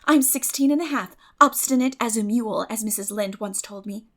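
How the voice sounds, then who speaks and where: A woman voicing a bright, determined, idealistic sixteen-year-old girl in a dramatic audiobook, eager, effusive and dreamy. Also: a little high, fairly quick. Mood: merry, firm. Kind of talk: dramatic audiobook reading of a classic novel.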